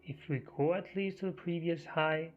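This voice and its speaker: A man hosting a live trading stream, half losing his voice, talking through the market in a halting, think-aloud way. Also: a little high, fairly even intonation, slight background noise. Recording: muffled stream audio with faint music.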